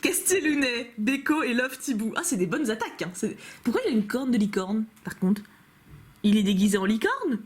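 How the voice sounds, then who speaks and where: A woman's voice: on the high side, sing-song, brisk, darkish tone. A young woman vlogging at home, chatting playfully as she opens fan-made cards, recorded on a camcorder. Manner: gushing, playful, chatty with frequent laughs. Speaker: YouTuber opening fan mail. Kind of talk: casual unboxing chat.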